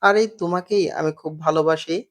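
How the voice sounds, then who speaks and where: A man voicing a calm, persistent young male suitor who speaks in a deadpan, unbothered way. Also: on the high side, moderate pace, lightly acted.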